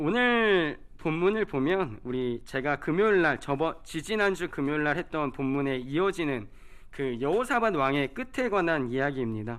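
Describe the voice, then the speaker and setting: A man's fairly high voice swings very widely in pitch. The background is quiet. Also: fairly slow pace. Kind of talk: sermon delivery.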